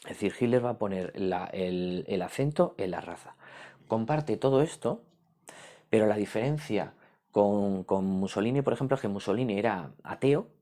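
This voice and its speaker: A man's voice: on the low side, moderate pace, mellow. A middle-aged man, giving a casual history lesson, asking himself questions and checking in with "¿vale?" as he goes. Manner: rhetorical questions with frequent "¿vale?". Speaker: history teacher.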